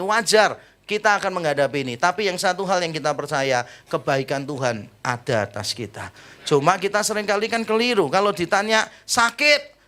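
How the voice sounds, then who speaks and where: A middle-aged man preaching a sermon as pastor, lively and joking, shifting between loud exclaims and slow, quiet emphasis. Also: sits high.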